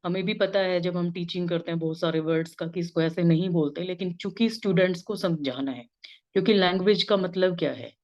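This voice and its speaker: A woman lecturer from India, with a Hindi accent, explains patiently in a somewhat low voice. She moves between Hindi and English phrases like a teacher speaking in class. The recording is a little dull and muffled. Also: steady tone, brisk, darkish tone. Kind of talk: informal spoken lesson.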